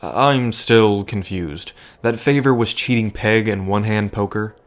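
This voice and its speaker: Man acting as wry male sidekick, low voice, cautious, dry, deliberate, audio drama. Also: close to an everyday voice. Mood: puzzled. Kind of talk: scripted audio drama dialogue.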